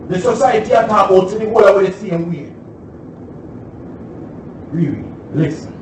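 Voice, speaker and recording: An actor with a Jamaican accent playing a defensive young man who lives rough, blunt and pleading. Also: high-pitched, animated, moderate pace. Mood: urging. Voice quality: blunt, pleading patois delivery. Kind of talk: stage play excerpt. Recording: distant echoey stage recording with faint noise.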